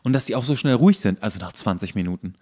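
A man co-hosting a podcast, telling anecdotes in casual, halting talk where he often repeats himself. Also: fairly low pitch, lively intonation, a little mellow. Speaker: podcast co-host.

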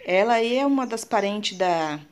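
A woman's voice: mid-range voice, animated, moderate pace, a little hiss or hum. A woman with a Brazilian Portuguese accent gives a casual show-and-tell vlog. She is chatty and affectionate, uses lots of diminutives, and keeps turning to her viewers. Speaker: plant vlogger.

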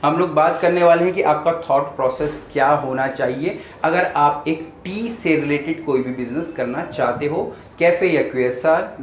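A man in his thirties, a chef, explaining how to start a small food business to the camera, talking directly to the viewer with busy hand gestures. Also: on the high side. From India. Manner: gestures with both hands while explaining; conversational, addresses viewer directly. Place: indoor room in front of a chalkboard. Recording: roomy indoor echo, faint background hum.

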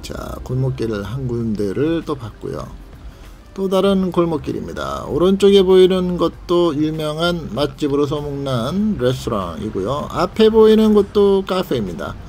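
A man's voice: fairly high pitch, big pitch swings, normal speed, a little mellow, soft background music. A man hosting a travel vlog, narrating a leisurely tour in a guide-like way and pointing out sights. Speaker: vlog host.

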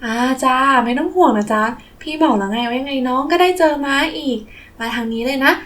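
A woman plays a friendly stable owner in a toy play for children. The high voice sounds sweetly reassuring and welcoming. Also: animated, a little fast, fairly bright tone.

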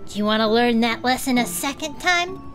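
Woman gamer roleplaying a tough bruiser, forceful, slightly high, measured. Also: lively intonation, soft background music. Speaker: tabletop game player. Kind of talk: roleplay of a big tough character.

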